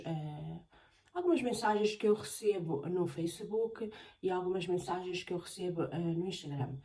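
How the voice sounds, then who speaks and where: A woman's voice: lowish voice, mellow. Hesitant Portuguese woman vlogging, slightly distant. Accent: European Portuguese. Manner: hesitant, many filler sounds. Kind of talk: casual Q&A vlog. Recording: voice a bit far from the mic.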